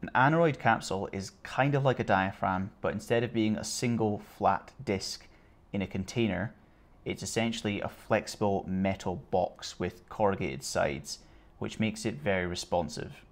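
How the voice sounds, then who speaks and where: Gravelly low-voiced male instructor. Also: moderate pace. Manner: relaxed, conversational teaching with casual asides. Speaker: flight theory instructor. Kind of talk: explanatory online lesson.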